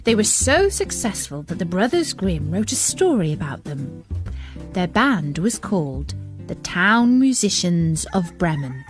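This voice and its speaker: A woman reading a children's story as narrator, expressive and measured. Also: on the low side, loud music behind the voice.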